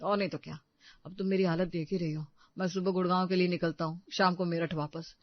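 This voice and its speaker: A man's voice: sits high, little pitch movement, fast talker, no room sound, close to an everyday voice. Man voicing a cheerful patient young husband. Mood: teasing. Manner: soothing, joking. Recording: dull, dry sound.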